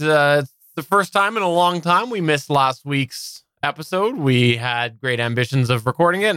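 A man's voice: a little high, sharp tone, clean tone, dry recording. A man co-hosting a podcast, chatting casually with dry humor. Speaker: podcast co-host.

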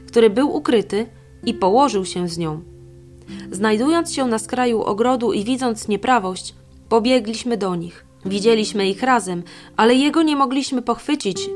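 A woman reading the false testimony of two scheming old men, in a plain, measured way. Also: a little high, faint music behind, lightly acted. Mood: accusing. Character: two lying old male elders, false accusers.

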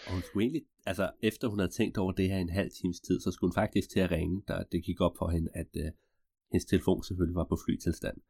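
Male storyteller, low and animated, rambling with deadpan asides; dry, close sound. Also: vocal fry, no room sound. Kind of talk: improvised storytelling.

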